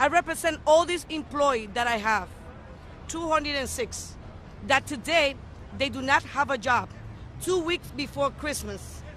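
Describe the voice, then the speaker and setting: A woman talks with a high pitch and ordinary pitch variation, in a strong non-native accent. Her pace is fairly slow, broken by long, frequent pauses. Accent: very strong foreign. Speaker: restaurant owner. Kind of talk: protest speech. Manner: halting.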